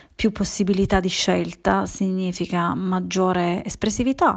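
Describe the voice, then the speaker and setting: A woman speaks at a medium pitch and a moderate pace, with a normal speaking voice. The background is quiet. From Bari, southern Italy. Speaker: harpsichordist and keyboard musician. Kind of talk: radio interview. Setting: studio.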